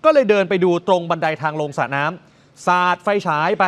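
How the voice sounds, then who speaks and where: A man presents the news with a high, ringing voice. He puts heavy stress on his words and keeps turning to the audience as he reports. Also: animated, a little fast. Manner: emphatic, addresses viewers directly.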